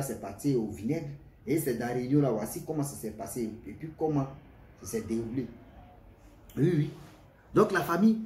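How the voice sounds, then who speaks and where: Male storyteller, emphatic and repetitive, speaks straight to listeners; mellow tone, recorded off-mic. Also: medium pitch, far from the mic, slight background noise. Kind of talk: casual spoken storytelling. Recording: echoey room, voice from off-mic, faint ambience.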